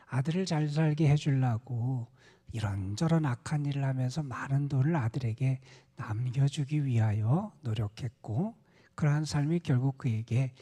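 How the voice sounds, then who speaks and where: Male pastor, dawn prayer sermon, soft half-whispered delivery, mellow tone, church sanctuary, long reverb. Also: mid-range voice, husky.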